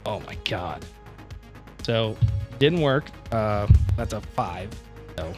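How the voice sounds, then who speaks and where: A man's voice: on the low side, animated, slow pace, faint music behind. A man playing a tabletop role-playing game, chatting casually and hesitantly as he thinks his moves through, swearing now and then.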